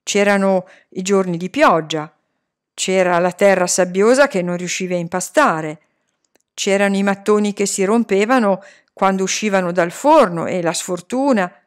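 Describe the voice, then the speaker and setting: A woman voicing a frightened, stubborn boy who shouts back defiantly. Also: mid-range voice, normal speed, natural voice. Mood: angry, defiant.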